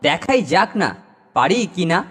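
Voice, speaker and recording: A man's voice: high voice, big pitch swings, normal speed, a bit bright. A man voicing a boastful, greedy older schoolboy bully in a children's cartoon, teasing and theatrical. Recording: long reverb, music behind.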